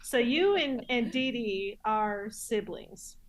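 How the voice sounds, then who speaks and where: A woman's voice: on the high side, animated, slow pace. A woman hosting a podcast interview, asking short questions and laughing along with her guest. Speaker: podcast host. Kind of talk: casual interview.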